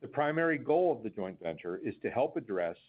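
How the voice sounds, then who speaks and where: A man's voice: mid-range voice, sing-song, a little fast. Stiff male executive, tinny phone line. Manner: stiff, formal reading. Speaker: chief executive. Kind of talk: scripted earnings call remarks.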